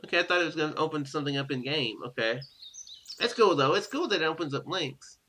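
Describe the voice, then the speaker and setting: A man's voice: on the high side, lively intonation, fast talker, sharp tone, a little hiss or hum. A man hosting a gaming video, reading a visual novel's text aloud and dropping in casual, offhand comments. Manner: ad-libs offhand remarks, casual and informal.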